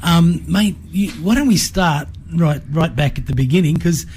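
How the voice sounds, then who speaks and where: A man's voice: on the high side, moderate pace, a little mellow, slight background noise. A man hosting a casual radio interview in a studio, joking and chatty, laughing often. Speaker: radio program host. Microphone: studio microphone.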